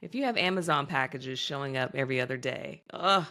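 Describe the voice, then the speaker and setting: Low-pitched woman host; chatty, self-deprecating interviewer who recaps. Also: fairly quick, sharp tone. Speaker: podcast host. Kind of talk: podcast interview, casual chat.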